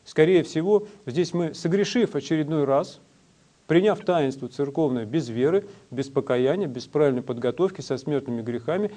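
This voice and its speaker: A man preaching a sermon in a measured, instructive way, with frequent hesitations. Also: a little high, lively intonation, warm tone.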